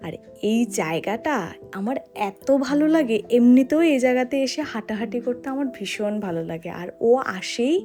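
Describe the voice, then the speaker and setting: Casual vlog host, female, high-pitched, informal and chatty, light music underneath. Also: lively intonation, moderate pace, mellow. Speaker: vlogger and host. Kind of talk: casual village vlog chat to viewers and companion. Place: outdoors in a village.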